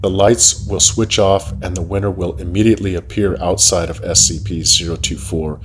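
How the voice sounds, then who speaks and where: Low-voiced man reading a formal case file. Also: steady tone, fairly bright tone, slight background noise. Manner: measured, formal document-reading delivery. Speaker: narrator. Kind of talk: scripted narration of a horror fiction case file, ASMR. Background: music.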